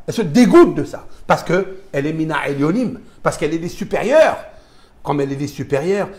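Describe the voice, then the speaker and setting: A man teaching a live religious lesson to students, speaking emphatically, firing rhetorical questions and weaving Hebrew terms into his explanations. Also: sits high. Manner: mixes Hebrew terms into French. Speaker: rabbi teaching a Torah class.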